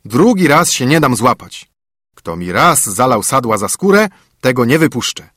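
A man voicing a clever, calm young male student in a storybook reading, pitched higher and raised, with a husky edge. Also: normal speed, dry recording, studio quality. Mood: defiant.

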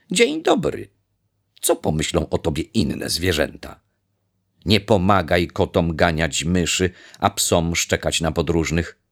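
A haughty father peacock from a children's storybook scolds in a voice that jumps high and fast, put on by a man. Under it stays a gravelly, husky rasp, and the pitch leaps around. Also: full character voice. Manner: scolding, shouting. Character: stern proud father peacock.

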